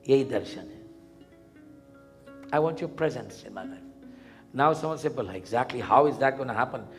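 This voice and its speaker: A man with a Guyanese accent giving an interactive Hindu sermon in a didactic, questioning manner, repeating points deliberately. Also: mid-range voice, vocal fry, soft background music. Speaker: Hindu temple preacher. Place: live event in a temple before a congregation.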